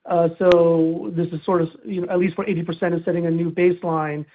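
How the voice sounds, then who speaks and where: A man, a financial analyst, asking questions on an earnings call in a conversational, slightly halting way. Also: fairly high pitch, level tone, narrow, tinny audio.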